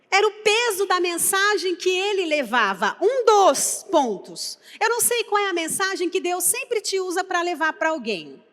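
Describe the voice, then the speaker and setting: A Brazilian woman pastor delivers a sermon in a bright, high voice. She tells her stories with lively energy and slips into the voices of the people she quotes. Her voice rings out with a long reverb through the church hall. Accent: Brazilian Portuguese. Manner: lively storytelling, acts out quoted dialogue. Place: church sanctuary.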